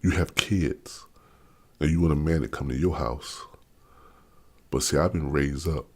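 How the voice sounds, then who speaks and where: Blunt dc-area guy about fifty, super deep husky voice, ranting to camera. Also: a little slow. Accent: Maryland / Washington DC area. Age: 50s. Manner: blunt, repetitive, stammers on restarts. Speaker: vlogger. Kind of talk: unscripted opinion rant.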